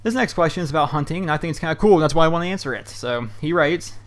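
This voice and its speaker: Fast-talking young man rambling at home. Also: on the high side, lively intonation. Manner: loose and chatty, heavy on fillers like um and you know. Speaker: YouTube host answering viewer questions. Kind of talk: casual rambling commentary. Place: his hot bedroom at home.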